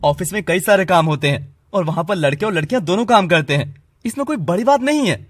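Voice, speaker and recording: A performer voicing a patient young husband in a cartoon, soft, pleading and reasonable. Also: medium pitch, animated, fast, natural voice.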